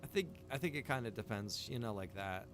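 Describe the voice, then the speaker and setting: This streamer talks over music as he plays a game, chatting loosely and rambling through his thoughts. He has a fairly low, expressive voice and speaks fairly quickly, with background noise plainly heard.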